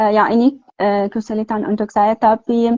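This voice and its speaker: Against a quiet background, a woman with an Arabic accent speaks at a fairly slow pace in a medium pitch, with a dark, mellow tone and monotone, flat intonation, in a dry, close sound with no echo. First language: Arabic (speaking Indonesian). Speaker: foreign student of Indonesian. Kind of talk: interview on live stream. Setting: at home, live video call. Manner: halting, many fillers.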